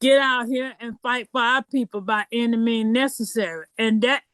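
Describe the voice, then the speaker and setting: A woman's voice: a little high, normal speed, a bit bright, clean tone, no echo. A woman on a group voice call whose connection breaks up. She speaks with fiery, slogan-driven urgency, stumbling and restarting as she calls people to act. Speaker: meeting member sharing. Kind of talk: impassioned call to action. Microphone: remote call mic.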